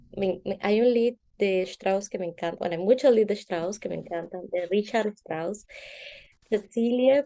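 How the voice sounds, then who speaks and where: A woman voice teacher speaks in a mellow, warm tone, explaining singing technique patiently and checking in with her listener as she goes. She is heard through a video call. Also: medium pitch. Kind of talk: explanatory interview answers.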